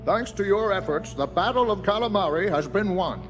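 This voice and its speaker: An actor playing a grave rebel war council leader with formal, measured delivery in a space-opera audio drama. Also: male voice, sits high, lively intonation, faint music behind, low-quality recording.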